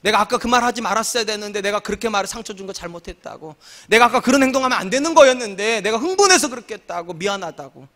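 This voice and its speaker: A man's voice: high voice, animated, racing, few pauses, fairly bright tone. A man in his forties, a senior pastor, preaching a sermon in a humorous, conversational way with acted quotes. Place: church sanctuary.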